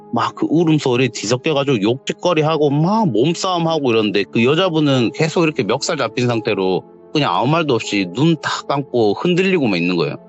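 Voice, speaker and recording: Man telling a ghost story. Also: medium pitch. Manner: casual, conversational, quietly dramatic. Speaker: guest storyteller. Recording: lo-fi audio with faint music.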